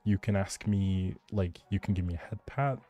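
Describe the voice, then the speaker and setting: Mellow, low-voiced man chatting on stream. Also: moderate pace. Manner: chatty, rambling, informal. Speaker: livestream host. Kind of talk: casual livestream chat, giveaway announcing.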